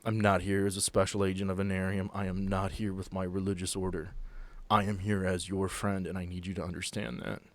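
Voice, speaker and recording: A man playing an earnest, blunt veteran agent with a folksy, salty, deliberate way of talking in a tabletop game. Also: low-pitched, little pitch movement, dry recording. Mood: earnest, grave.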